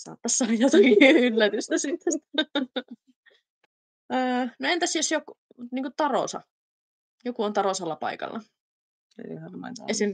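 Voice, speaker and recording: With a high pitch and very wide pitch swings, a woman speaks at a fairly slow pace with long, frequent pauses, in a dry, close sound with no echo. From North Karelia, Finland. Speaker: media sales representative. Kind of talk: live web stream conversation about dialects.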